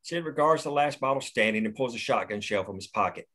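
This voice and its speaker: A man reading the action lines of a screenplay aloud at a table read, steady and plain. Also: medium pitch, quick pace. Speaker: narrator reading stage directions.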